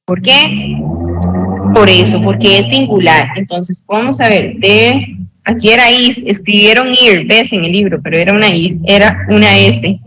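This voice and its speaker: Woman English teacher, bright voice, unhurried and patient, keeps checking in with the class. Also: mid-range voice, slight background noise, poor audio. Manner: slow, patient explaining with frequent check-ins. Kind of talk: online grammar tutoring in Spanish.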